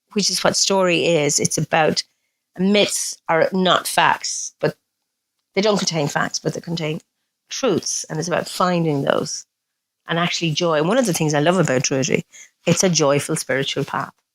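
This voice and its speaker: The sound is dry and close with no echo as a woman with an Irish accent speaks at a fairly low pitch. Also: ordinary pitch variation. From rural Ireland. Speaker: druid order leader. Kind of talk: interview. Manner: fast.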